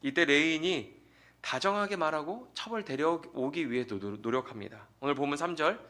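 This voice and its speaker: Bright-voiced man preaching a sermon. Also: a little high, expressive, normal speed. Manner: earnest preaching with rhetorical questions to the congregation. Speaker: pastor. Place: church sanctuary.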